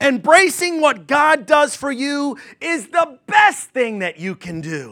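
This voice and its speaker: Raising and projecting his voice, a man with an extremely high pitch and a bright, sharp tone speaks at a very slow pace, with very wide pitch swings and big swings in loudness. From US Northeast (Newburgh, New York), Puerto Rican family. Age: 50s. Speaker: pastor. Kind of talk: sermon. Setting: church with congregation and live stream.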